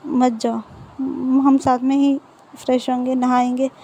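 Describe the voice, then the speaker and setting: A woman's voice: high-pitched, level tone, unhurried, dark tone, a little hiss or hum. A woman voicing a shy, easily flustered young man who stammers bashfully.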